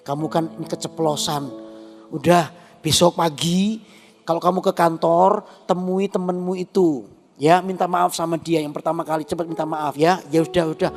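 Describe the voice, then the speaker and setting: A man voicing a calm, gentle wife who soothes her husband, speaking softly and quietly as part of a sermon story. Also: fairly high pitch, moderate pace, in a large hall, faint music behind, voice pushed down, close to an everyday voice. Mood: soothing.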